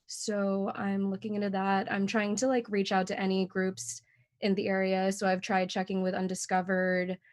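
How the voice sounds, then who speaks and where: A young woman speaks over a video call in a relaxed, chatty way. She laughs easily and fills her pauses with small fillers as she updates colleagues, and her voice sits at an ordinary middle pitch. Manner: friendly, laughs often, many fillers. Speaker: library staff running bilingual story time. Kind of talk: casual meeting update.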